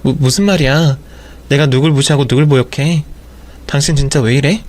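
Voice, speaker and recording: A man's voice: mid-range voice, steady tone, fairly quick, close to an everyday voice. A man playing a defensive young wife who stammers and pleads with her husband. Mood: flustered. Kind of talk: audio drama storytelling.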